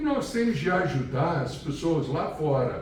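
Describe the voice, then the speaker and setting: Speaking at a very slow pace, a man with a fairly high pitch makes very wide pitch swings, amid audible room echo and noticeable background noise. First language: English (speaking Portuguese). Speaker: pastor. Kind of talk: sermon. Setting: church.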